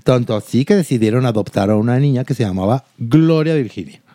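A man's voice: medium pitch, fast talker, warm tone, dry recording, clean studio sound. A Mexican man hosting comedy banter, teasing and theatrical as he tells gossip.

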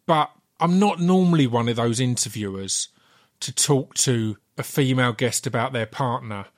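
A man's voice: medium pitch, normal speed. Male podcast host, Essex accent, chatty, stammery repeats, casual swearing. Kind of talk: casual chat interview. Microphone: podcast mic in a remote video call.

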